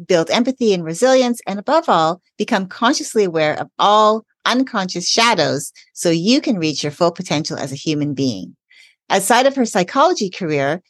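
A woman's voice: mid-range voice, dry recording. A woman hosting a podcast interview, speaking in an upbeat, welcoming way as a self-care coach.

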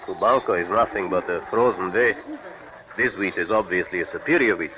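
A brisk army lieutenant, dismissive in manner, as an actor plays him. Faint hiss sits under a muffled old radio recording. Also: male voice, sits low, lightly acted. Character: Russian army lieutenant, interpreter. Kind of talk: 1940s radio acting.

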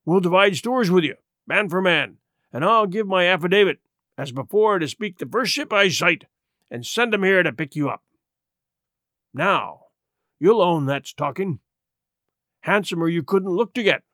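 Rough one-legged pirate boss, male reader acting, wrathful and wheedling, animated high voice, dry storybook recording. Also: normal speed, long pauses, no room sound. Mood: wheedling, bargaining. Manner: salty rustic sailor talk with oaths.

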